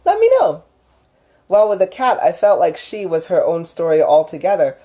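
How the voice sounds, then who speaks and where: This woman speaks at a moderate pace in a fairly low, dark-toned voice, and she's animated. On her casual livestream she acts as storyteller and psychic healer, chatting informally and effusively with viewers and addressing them affectionately.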